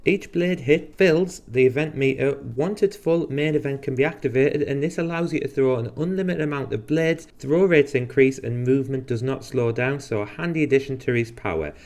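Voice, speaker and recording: A man's voice: medium pitch, normal speed, few pauses, darkish tone. A man hosting a gaming channel, explaining new characters and abilities in a casual way, with the odd dry, sarcastic aside. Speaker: gaming video host. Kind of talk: game guide commentary.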